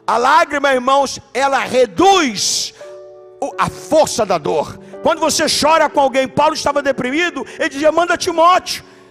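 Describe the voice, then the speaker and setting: A man with a Brazilian Portuguese accent, a pastor telling stories in an animated sermon and shouting at key points. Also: very high-pitched, normal speed, creaky, soft background music. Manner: animated preaching, shouts for emphasis. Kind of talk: sermon with storytelling. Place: church.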